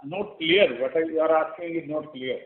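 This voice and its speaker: A man's voice: a little high, normal speed. A man with an Indian accent, a company executive answering questions on a conference call. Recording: tinny narrowband phone line.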